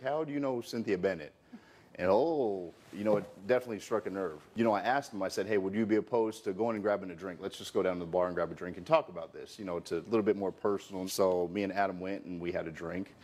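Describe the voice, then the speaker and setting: A man in his thirties with a very low voice lays out his side as the plaintiff in a televised courtroom. He sounds earnest and wronged, and he keeps leaning on "you know" as he goes. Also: a little mellow. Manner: earnest and aggrieved, full of "you know" fillers. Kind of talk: courtroom testimony. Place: TV courtroom set.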